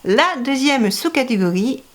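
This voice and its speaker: A young woman talking casually about her autumn reading list for her channel, pausing often with fillers and sounding eager about the books. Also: high voice, lively intonation. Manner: hesitant, many "euh" fillers, enthusiastic. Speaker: book vlogger. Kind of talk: casual book haul vlog.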